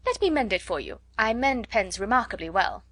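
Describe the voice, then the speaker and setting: A woman voicing a flattering young society lady who gushes with eager praise. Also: medium pitch, brisk, no echo. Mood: gushing. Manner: gushing, fawning praise.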